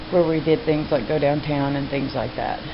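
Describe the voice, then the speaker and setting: Very deep, low woman's voice, monotone and flat, against noticeable background noise. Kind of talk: casual talk to camera.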